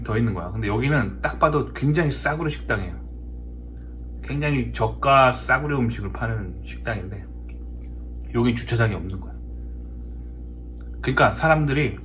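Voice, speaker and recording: Korean man telling stories with lively swings. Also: mid-range voice, a little hiss or hum. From South Korea. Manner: emphatic, repeats words, acts out quotes. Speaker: host of a talk show. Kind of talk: casual storytelling monologue.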